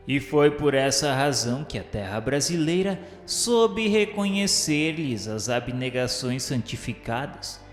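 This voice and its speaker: A man with a Brazilian accent narrating a radio drama from a script in a solemn, formal, declamatory way. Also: mid-range voice. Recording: echoey long reverb, music underneath. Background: music.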